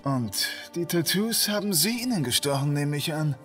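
An actor playing a young, polite but determined police inspector in a German audio drama. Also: male voice, fairly high pitch, expressive, normal speed, a bit bright, faint music behind. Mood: polite, probing. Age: young adult. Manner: polite, businesslike.

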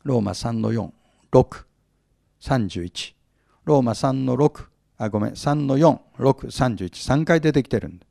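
A man's voice: medium pitch, animated, unhurried, gravelly, mellow, no room sound, clean studio sound. A male pastor teaching from the Bible, often asking his audience questions, stressing words with force and acting out small humorous scenes. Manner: humorous, acts out little scenes.

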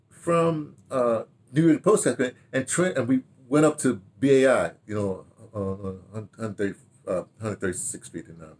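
An older man telling stories casually to camera in an animated, rambling way, repeating himself and trailing into asides. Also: medium pitch, husky. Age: older, 60s or 70s. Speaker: radio drama director reminiscing. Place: small home study, indoors.

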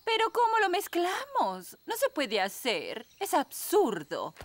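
A woman's voice: very high voice, huge pitch swings, takes it slowly, full character voice. A woman voicing a prim, bossy, skeptical fairy nanny in a children's cartoon, with a Latin American Spanish accent. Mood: dismissive. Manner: dismissive, exasperated, dry. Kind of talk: animated children's cartoon dialogue. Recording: music under the voice.

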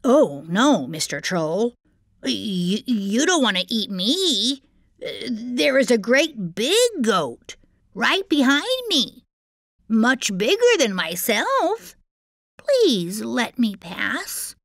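A woman voicing a medium-sized billy goat who is polite and a little nervous, speaking softly. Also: on the high side, sing-song, extremely slow, dry recording, clean studio sound, exaggerated voice.

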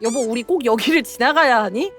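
A young woman streaming a horror game, loud and excitable, joking as a panicked husband and often shrieking. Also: fairly high pitch, fairly quick, music in the background. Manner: comic, playing a panicked husband. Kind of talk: live game streaming commentary.

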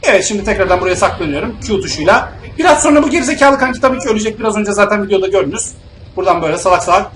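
A young man giving let's play commentary on a video game, swinging between muttered remarks and sudden yelling and swearing at the enemies. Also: high voice, rapid-fire. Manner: excitable, yells and swears at enemies, then mutters calmly. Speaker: gamer playing a video game. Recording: roomy echo with faint game music.

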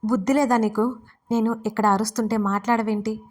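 Woman doing young man on the phone, loud, scolding, anxious, bossy, narrow pitch. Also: level tone, fast talker, distant mic, close to an everyday voice. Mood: irritated.

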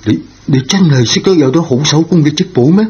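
A kindly older male servant, fretful and easily flustered, with a rough husky voice. The radio drama sounds dull and lo-fi. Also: on the high side, brisk, a little mellow. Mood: doubtful. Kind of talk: Cantonese radio drama acting. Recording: dull, lo-fi old radio recording.

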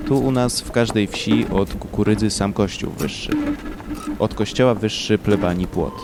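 A man's voice: fairly low pitch, moderate pace, very noisy. A man reciting scripted poetry for an audio drama, with music behind him. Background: loud music.

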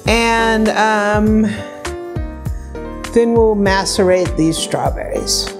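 A woman's voice: medium pitch, drawn-out words, music in the background. A woman casually narrating her home cooking in a chatty, unscripted way, thinking aloud as she goes. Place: home kitchen, indoors.

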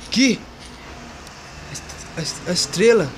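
Excitable male gamer, lively swooping voice, faint hiss behind. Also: high voice, unhurried. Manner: excitable, yelps at jump scares, talks to viewers and a friend. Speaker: gamer playing a horror game. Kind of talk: casual gameplay commentary.

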